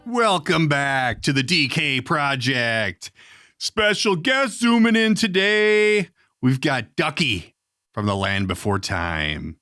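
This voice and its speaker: A man's voice: on the high side, sing-song, slow pace, sharp tone, dry recording, faint music behind. A man hosting a podcast in a casual interview style, rambling and often restarting his sentences as he goes. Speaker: podcast host.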